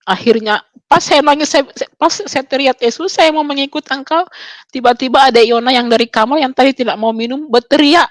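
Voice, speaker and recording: A young woman recounts her personal testimony in a fairly high voice that surges even higher and louder at the emotional peaks. The sound is dry and close, with almost no room around her. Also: fairly quick, no room sound. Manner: voice rises high when reliving moments. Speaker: testimony speaker.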